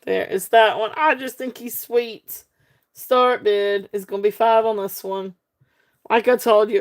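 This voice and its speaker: Slow-talking Southern woman selling jewelry. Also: medium pitch. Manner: chatty, folksy, with frequent ums and soft laughs. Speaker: live jewelry sale host. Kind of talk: casual live-stream selling.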